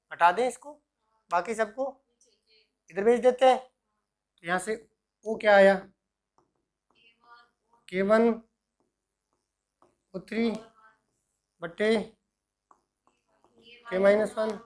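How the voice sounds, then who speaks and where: A male chemistry teacher working through examples, asking himself questions and answering them, and dictating formulas slowly piece by piece. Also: high voice. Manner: answers own questions, repeats "ठीक है" often. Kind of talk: explaining worked examples at a board.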